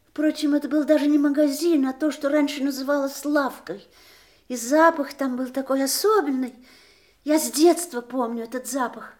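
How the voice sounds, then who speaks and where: An actress playing a troubled, polite woman in an audio drama, speaking in a deliberate, expressive storytelling manner. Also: high voice, close to an everyday voice. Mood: wondering. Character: troubled, polite woman recounting a frightening dream. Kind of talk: audio stage drama, theatrical monologue.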